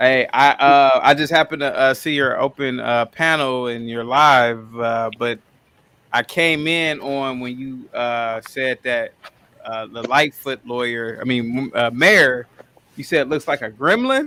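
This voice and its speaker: Fairly slow and fairly even in intonation, a man speaks at a medium pitch. It is a plain, everyday voice. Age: 30s. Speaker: caller. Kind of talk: casual chat.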